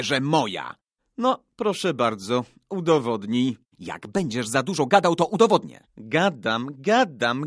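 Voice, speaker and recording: A man's voice: lowish voice, bright, forceful tone, dry recording, studio quality, exaggerated voice. A man voicing cocky, quarrelsome young boys in a story, taunting and boasting childishly. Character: cocky, quarrelsome young boy spoiling for a fight.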